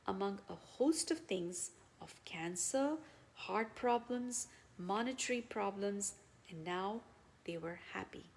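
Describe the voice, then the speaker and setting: A woman reading a written devotional account aloud as narration, in measured phrases with frequent pauses. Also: mid-range voice, darkish tone. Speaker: reader of devotional testimonials.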